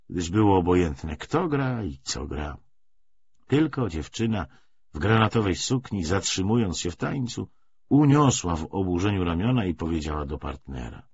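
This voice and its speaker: Man, audiobook narrator, husky, lively intonation, unhurried literary reading, slightly dull recording. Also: lowish voice. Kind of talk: expressive scripted literary narration.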